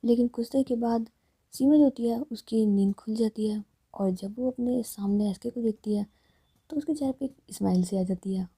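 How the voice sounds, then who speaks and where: Woman storyteller, casual conversational narration, husky, dark tone. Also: fairly high pitch, normal speed. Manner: plain, conversational retelling.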